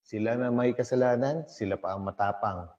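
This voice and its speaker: A man's voice: mid-range voice, brisk, darkish tone, lo-fi sound. A man hosting a casual gossip vlog, reading posts aloud and laughing often.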